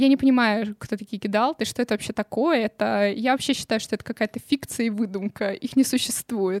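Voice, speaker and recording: In a normal speaking voice, a woman with a fairly high pitch and ordinary pitch variation talks at a fairly quick pace with hardly any pauses, the sound dry and close with no echo. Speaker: sociology graduate, marketing assistant. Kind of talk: casual interview.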